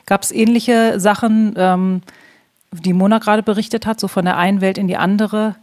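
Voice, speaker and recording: A woman from Germany hosts a relaxed conversation. She is curious and friendly as she asks her guests questions. Her voice sits at an ordinary middle pitch. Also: moderate pace. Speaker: host. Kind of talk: conversational interview.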